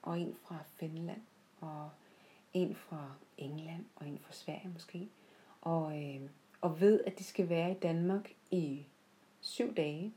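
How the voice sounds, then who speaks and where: Woman, slightly low pitch, warm dark tone, unscripted personal storytelling, reflective, heartfelt, pauses mid-sentence. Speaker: podcast host.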